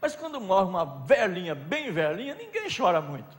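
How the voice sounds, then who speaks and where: A Brazilian pastor preaches in a high, lively voice that leaps up and drops back down. He swings between loud outbursts and soft asides, stretching words for effect. Long reverb from a large hall trails each phrase. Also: normal speed. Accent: Brazilian Portuguese. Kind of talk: sermon.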